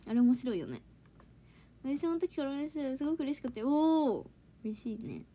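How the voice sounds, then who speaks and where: A woman's voice: high voice, very animated, brisk, mellow. A young woman chatting casually on a livestream, giggling and answering viewers' comments. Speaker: idol trainee livestreaming to fans.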